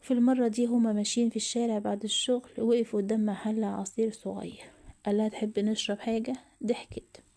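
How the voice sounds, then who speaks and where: A woman with an Egyptian accent narrating a love story in a soft, often whispered voice. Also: on the high side, little pitch movement, fast talker. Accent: Egyptian Arabic.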